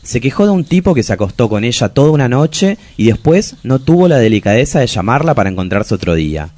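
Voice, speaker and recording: A man's voice: mid-range voice, sing-song, quick pace, a little mellow, dry recording. A man with an Argentine accent playing a lovelorn, bitter trans woman reading out a confessional diary in a radio play. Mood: pitying, sardonic. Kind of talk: literary monologue in a radio play.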